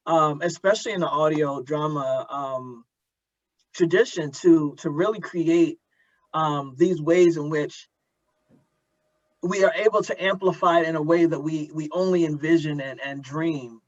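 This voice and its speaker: Hosting an audio drama community event as interviewer, a man leads an earnest conversation in a fairly high-pitched voice. He speaks reflectively and haltingly, repeating words often on the way to his point. The recording sounds a little dull and lo-fi.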